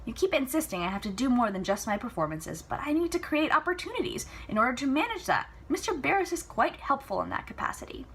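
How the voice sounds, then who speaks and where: Woman voicing a high-pitched, defiant, sarcastic young daughter. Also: very animated, quick pace, few pauses, fairly bright tone, husky, full character voice. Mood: frustrated. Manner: emphatic, challenging. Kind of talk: storybook character reading.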